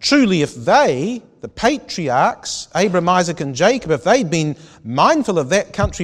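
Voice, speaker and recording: A man's high-pitched voice at a moderate pace, with very wide pitch swings, in a very clean recording with a silent background. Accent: New Zealand. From New Zealand, Christchurch. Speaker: Bible class teacher. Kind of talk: Bible study lecture. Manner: interactive, questioning the audience.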